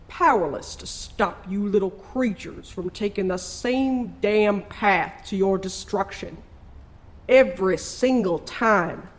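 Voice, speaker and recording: Ancient trickster spirit played by an actor for audio drama: unhurried, folksy, theatrical, world-weary, mid-range voice. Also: medium pitch. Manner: slow drawling folksy speech, theatrical. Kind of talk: scripted audio drama acting.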